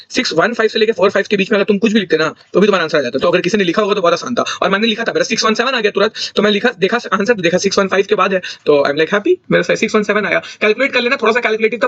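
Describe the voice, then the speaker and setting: Young man, high voice, casual tutor, thinks aloud, self-correcting, dry dull lo-fi recording. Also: fairly bright tone, dry recording. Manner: thinks aloud, corrects himself mid-sentence. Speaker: exam solution tutor. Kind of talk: casual explanatory walkthrough.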